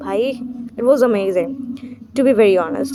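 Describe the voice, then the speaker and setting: A woman with an Indian accent speaks in a high-pitched voice. Background noise is noticeable. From India, Bihar (Patna). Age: 20s. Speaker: English learner YouTuber. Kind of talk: casual vlog talk to camera. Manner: upbeat.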